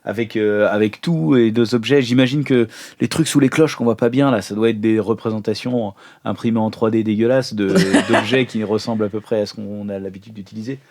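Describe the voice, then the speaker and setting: A man plays an improvised tabletop game, bantering in a jokey, excitable and crude way. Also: on the low side, fairly quick, slight background noise. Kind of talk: improvised role-playing banter.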